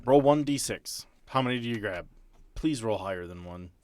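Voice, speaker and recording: A man's voice: medium pitch, expressive, moderate pace, crowd noise. A man speaking casually as podcast host and game master, bantering and narrating.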